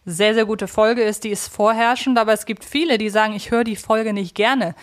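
Woman, thirties, medium pitch, podcast co-host, conversational, reflective, winding sentences. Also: fairly even intonation, fairly quick.

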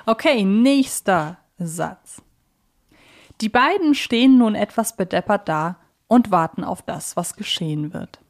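A woman's voice: medium pitch, expressive, unhurried. A woman co-hosting a podcast, chatting casually as she runs through a quiz. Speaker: podcast co-host. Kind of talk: casual quiz chat about audio dramas.

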